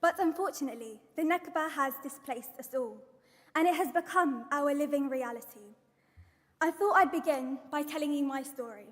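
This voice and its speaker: A woman's voice: sits high, moderate pace. A young woman with a London accent delivering a prepared public speech in a formal, earnest manner. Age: young adult. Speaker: guest speaker, activist. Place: large indoor event venue. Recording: echoey hall with long reverb.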